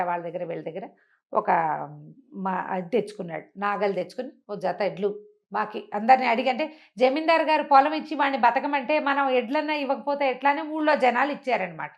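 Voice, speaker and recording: A woman's voice: on the high side, dull audio. A woman telling a folk story informally, in a conversational way with explanatory asides and rhetorical questions.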